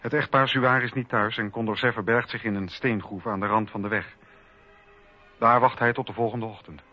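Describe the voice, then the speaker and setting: A man's voice: medium pitch, steady tone, normal speed. A man narrating a documentary radio drama from a script. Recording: dull lo-fi radio recording. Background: music.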